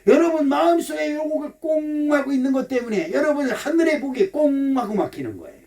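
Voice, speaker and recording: A man's voice: extremely high pitch, lively intonation, fairly quick, warm tone, recorded from a distance. A man preaching a sermon as pastor, emphatic and repetitive, acting out the voices of others. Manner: emphatic, repetitive, acts out quoted speech.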